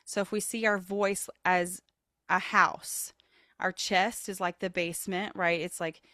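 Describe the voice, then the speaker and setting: A woman's voice: measured pace, no room sound, clean studio sound. A woman vocal leadership coach, a podcast guest, who speaks in an earnest, motivational way and jumps into playful voices to demonstrate. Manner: expressive, demonstrates voices with big pitch jumps. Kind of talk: podcast interview.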